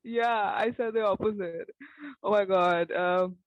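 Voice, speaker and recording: A man with a high voice speaks as a playwright on a panel. The delivery is casual chat, and the sound is dry and close. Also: fairly even intonation, a little slow, no echo, muffled recording.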